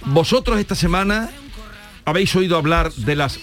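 Lively teasing Andalusian radio host. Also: male voice, on the high side, moderate pace, soft background music. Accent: Andalusian Spanish. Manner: lively, teasing, steering the talk. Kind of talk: casual radio chat.

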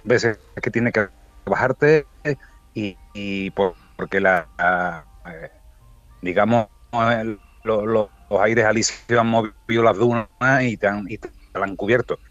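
A man's voice: on the low side, steady tone, a little slow, fairly bright tone, no room sound, soft background music. 60s guy from spain on a choppy phone line that keeps cutting out, muffled dry sound, just says it straight and repeats himself. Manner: matter-of-fact, repeats words over the bad line. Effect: breaking-up phone line. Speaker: guest calling in from the road. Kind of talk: radio phone interview. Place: outdoors by a road.

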